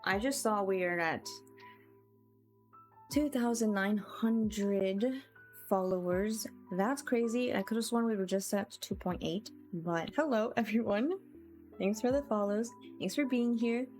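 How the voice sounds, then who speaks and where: A woman hosting a livestream, chatting casually to her viewers in a gentle, appreciative way. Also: medium pitch, a little slow, soft background music. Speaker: livestreamer host.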